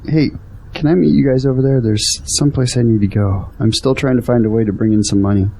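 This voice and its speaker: A man's voice: medium pitch, fast talker, dark tone, slight background noise, natural voice. An actor playing an earnest, hopeful young Christian man in an audio drama. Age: young adult.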